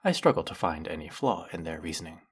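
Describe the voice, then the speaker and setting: A man playing a flirty, fanatically devoted demon familiar in a dramatic audio roleplay, with fawning, formal diction and a breathy, husky voice. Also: sits low, expressive, fast talker, heavily acted. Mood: dutiful, menacing. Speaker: voice actor. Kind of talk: dramatic roleplay monologue spoken to the listener.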